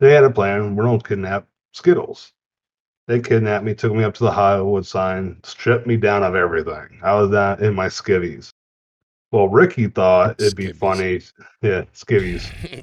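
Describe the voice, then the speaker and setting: A man talks at a moderate pace in an ordinary speaking voice, fairly low in pitch with ordinary pitch variation. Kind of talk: casual chat.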